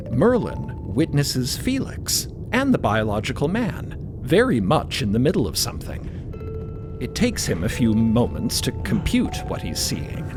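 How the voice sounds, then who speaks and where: A man narrating a scripted story in an expressive, theatrical way. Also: medium pitch.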